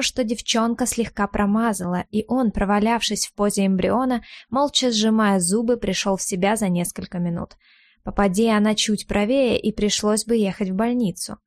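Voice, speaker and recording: A woman narrating an audiobook in a measured, unhurried reading style. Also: medium pitch, no room sound, studio quality.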